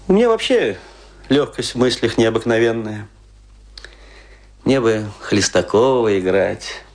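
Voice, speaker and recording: In a radio play, a male actor with a medium-pitched voice delivers a theatrical monologue as a tipsy provincial stage player. The character is boastful and aggrieved, declaiming with grandiose self-pity and dramatic pauses.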